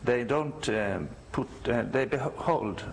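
A middle-aged Swedish man, a church musician, answering interview questions in halting, non-native English with a Swedish accent, often searching for words. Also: mid-range voice, slight background noise. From Sweden.

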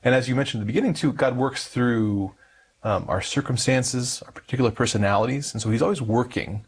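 A man hosting a faith-based interview, talking in a thoughtful, halting way with frequent restarts. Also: medium pitch, breathy edge. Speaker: interview host.

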